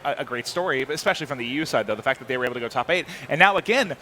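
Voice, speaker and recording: A man talking very quickly in a bright, forward voice, filling downtime between matches. His chat is loose and chatty, and he keeps stopping to correct himself mid-sentence. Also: medium pitch, expressive, a little hiss or hum. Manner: fast, chatty, self-correcting. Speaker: esports commentator.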